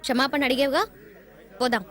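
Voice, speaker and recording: An actress playing a headstrong young woman who accuses and bosses others in sharp dubbed film dialogue. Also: high-pitched, fairly even intonation, a little fast, some chatter behind. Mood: haughty. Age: young adult. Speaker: film character.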